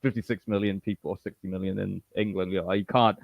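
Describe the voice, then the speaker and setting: A man's voice: sits low, fairly even intonation, fast, vocal fry, no echo, lo-fi sound. A man from Malaysia hosting a casual interview on a video call, talking in rambling bursts full of you-knows and restarts. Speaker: podcast host.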